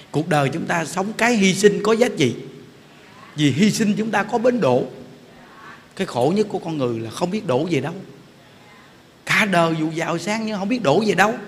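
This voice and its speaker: A middle-aged man gives a sermon as a Buddhist monk, speaking in a high voice. He tells homely stories and keeps checking whether his listeners follow him. The sound carries a long hall echo and a faint hiss behind it. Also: a bit bright. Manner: chatty storyteller, often laughs and asks the audience "hiểu không?". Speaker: Buddhist monk giving a dharma talk. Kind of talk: informal sermon with anecdotes. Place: temple hall. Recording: reverberant hall with faint background noise.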